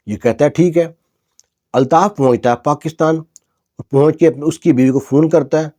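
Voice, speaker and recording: A man's voice: fairly high pitch, mellow. A man telling a dramatic story in a conversational narrating manner, often adding little emphatic asides.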